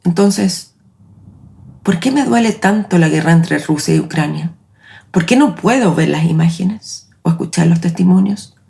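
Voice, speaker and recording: A woman in her late forties with a Chilean accent, hosting her own podcast in a reflective, measured, personal narration. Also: fairly low pitch, expressive, vocal fry, dark tone. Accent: Chilean Spanish. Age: 40s. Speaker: podcast host.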